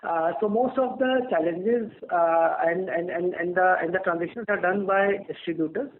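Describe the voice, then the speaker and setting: A company executive with an Indian accent and a high-pitched voice answers questions on an earnings call at a moderate pace, repeating words as he thinks. The telephone line sounds narrow and tinny, with slight background noise.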